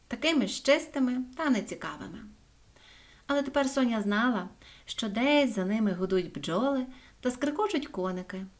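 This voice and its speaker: A woman narrating a children's fairy tale in a gentle, expressive storybook voice. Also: mid-range voice.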